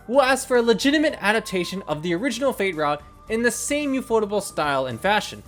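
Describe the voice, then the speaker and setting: A video host narrating a scripted review in a measured, first-person commentary style. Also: medium pitch, a bit bright. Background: background music.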